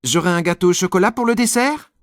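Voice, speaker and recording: A man voicing a boastful, excitable little schoolboy in a storybook reading, with a raised, whiny, indignant voice. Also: high-pitched, fast, no echo, studio quality, pitched above the performer's own voice.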